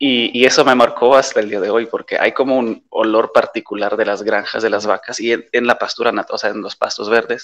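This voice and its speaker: Speaking fairly quickly, a man barely pauses at all. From western Germany, near Dutch border. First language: Polish and German (speaking Spanish). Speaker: German expat. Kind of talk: interview. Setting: video call. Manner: halting, many restarts.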